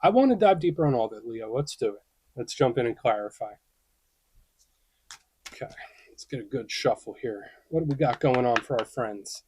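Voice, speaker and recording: A man's voice: mid-range voice, expressive, normal speed, pauses often, warm tone, husky, dry recording. A young man giving a casual tarot reading to camera, chatty and reassuring, thinking aloud and acting out inner questions. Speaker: tarot reader.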